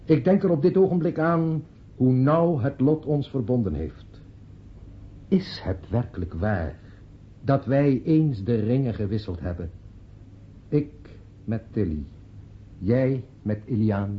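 An actor playing a sentimental man who speaks in a declamatory, measured way in a radio play. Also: mid-range voice, animated. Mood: solemn, nostalgic. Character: man giving a solemn, sentimental graveside eulogy for a friend. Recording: dull, noisy old radio play recording.

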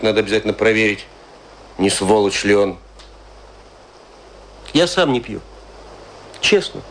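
Radio drama, noisy ambience: male actor as self-pitying provincial thespian, rambling and declamatory, very animated intonation. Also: medium pitch, close to an everyday voice. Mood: wry, confiding. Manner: declamatory, musing aloud, swinging between grand and intimate. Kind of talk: radio play monologue.

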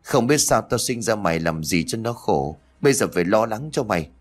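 A man voicing a harsh young mother who scolds her mother-in-law in a rude, fast voice. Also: on the low side, animated. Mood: scolding.

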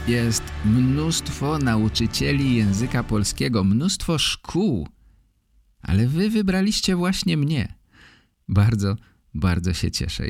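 Slow, deliberate male podcast host, fairly low. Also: gravelly, no echo, clean studio sound. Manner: deliberate, short separated phrases. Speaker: podcast host, Polish language teacher. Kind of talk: podcast monologue for language learners.

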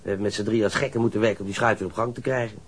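A surly young sailor in a radio crime drama, his voice low and husky. He talks in a coarse, sullen, defensive way and tends to stammer when riled. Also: fairly even intonation, very fast. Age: young adult. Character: surly, defensive young male sailor, a ship's stoker under questioning.

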